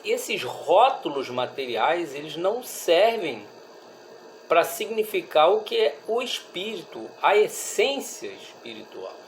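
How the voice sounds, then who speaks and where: Brazilian man giving a religious talk, noisy background. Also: high-pitched. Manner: reflective, halting, with frequent rhetorical check-ins. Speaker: speaker at a Spiritist study group. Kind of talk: religious study talk, reading and commentary.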